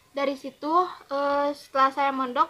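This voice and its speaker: Raising and projecting her high voice, a woman speaks with monotone, flat intonation. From West Java (Cianjur, Sundanese region). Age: 20s. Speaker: Islamic boarding school student. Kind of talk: interview testimony.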